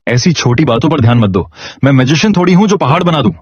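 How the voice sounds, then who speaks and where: A man's voice: a little high, expressive, fast talker, slightly rough, no echo, highs cut off. A man voicing a broke young farmer hero who jokes and gets flustered. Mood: jokey, flustered.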